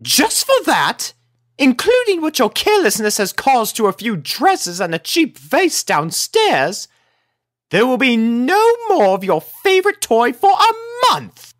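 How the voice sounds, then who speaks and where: A woman's voice: on the high side, sing-song, measured pace, dry recording, studio quality, pitched above the performer's own voice. A woman voicing a prissy, dramatic lady pony with a fussy, scolding, theatrical manner, in a cartoon storybook style. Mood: stern, indignant. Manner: theatrical, indignant. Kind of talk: cartoon fan fiction character voice.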